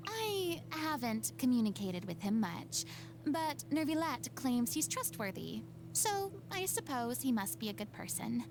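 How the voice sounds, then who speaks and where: A refined young lady from a video game, poised and courteous in every phrase. Her voice sits high and moves with lively, expressive lilts. Music plays clearly behind her formal, measured words. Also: exaggerated voice, low-quality recording. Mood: courteous, reflective. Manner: polite, formal. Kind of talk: scripted game voice line.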